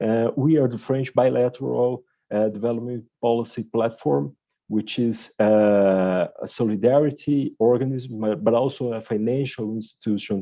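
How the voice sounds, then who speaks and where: With a Portuguese accent, a man speaks at a moderate pace and medium pitch, with ordinary pitch variation. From Brazil. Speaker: development agency project manager, economist. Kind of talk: conference presentation. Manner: hesitant, many fillers.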